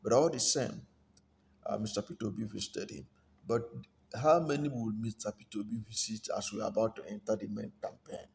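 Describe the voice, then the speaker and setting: Low-voiced Nigerian man, halting commentary. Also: creaky. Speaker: political commentator. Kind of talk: unscripted political commentary. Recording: steady background noise, room ambience.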